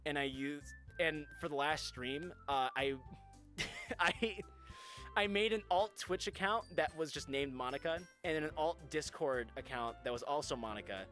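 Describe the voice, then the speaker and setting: A man's voice: fairly high pitch, normal speed, fairly bright tone, soft background music. A young adult man chatting casually as he live streams a game.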